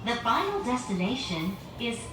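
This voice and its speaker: A woman reading scripted subway announcements in measured, carefully enunciated phrases over a train's public-address speaker. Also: very animated, over music. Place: inside subway train cars. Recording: distant echoey PA recording with loud train noise. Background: loud train rumble and ambience.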